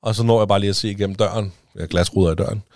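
A man's voice: on the low side, steady tone, darkish tone, no room sound, clean studio sound. A man with a Danish accent, a father talking as a podcast guest in casual chat, rambling with many restarts and fillers.

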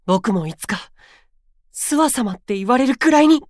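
A male actor playing a gentle, polite and sweetly earnest young idol with a soft, boyish delivery in a Japanese voice drama. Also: very high voice, expressive, moderate pace, no echo, studio quality. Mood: cheerful. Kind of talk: Japanese anime-style voice drama acting.

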